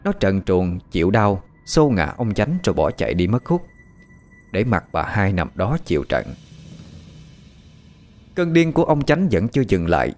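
A man's voice: sits low, sing-song, normal speed, pauses often, darkish tone, faint music behind. A man narrating a horror audio story in a dramatic storytelling manner.

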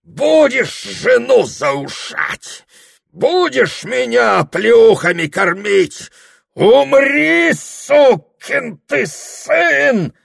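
A man's voice: lowish voice, expressive, a bit bright. A man doing a raging drunk deacon who bellows. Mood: bellowing. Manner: bellowing, drawn-out threats. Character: drunken brawling male deacon, huge and furious.

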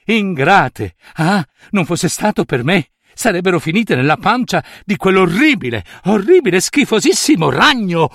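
A man voicing an excitable, boastful male white coypu who talks breathlessly and indignantly. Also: a little high, slow pace, no room sound, clean studio sound, heavily acted.

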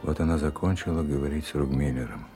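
A sorrowful male captive in an audio drama, delivering a brooding monologue. His voice is extremely deep, and he speaks reflectively with pauses. Music plays behind him. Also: fairly even intonation, dark tone. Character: brooding, sorrowful male prisoner watching from barred window.

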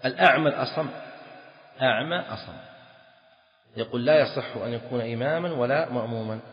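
A man's voice: mid-range voice, fast. Male scholar, repetitive teaching lecture, dull recording with long reverb. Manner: explanatory, quizzes students, repeats phrases. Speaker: Islamic scholar teaching fiqh. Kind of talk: classroom lecture on a text. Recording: dull lo-fi audio in a reverberant hall.

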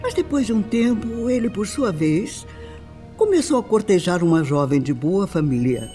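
Actress as grave Brazilian mother, expressive and theatrical. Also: mid-range voice, lightly acted. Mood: grave, bitter. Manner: theatrical, solemn, deliberate phrasing. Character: older upper-class widowed mother, grave, sorrowful, refined. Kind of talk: dramatic radio drama narration in a formal register. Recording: music under the voice. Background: background music.

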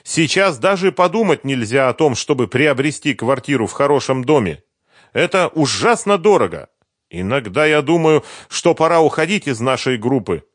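A man's voice: medium pitch, big pitch swings, moderate pace, dry recording, studio quality, voice pushed up. A man reading the part of a twenty-three-year-old woman singer, who sighs and talks persuasively about men and money. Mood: coaxing. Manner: sighing, persuasive, lightly complaining. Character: young woman pop singer, 23, coy and calculating.

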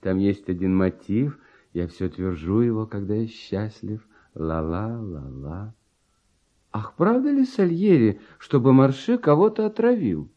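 An actor playing a lighthearted, trusting young genius composer, speaking verse lyrically and theatrically in a classic Russian radio drama. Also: male voice, on the low side, sing-song, unhurried. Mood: playful, wistful. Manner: lyrical, theatrical verse delivery with sweeping intonation. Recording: dull, muffled archival radio recording.

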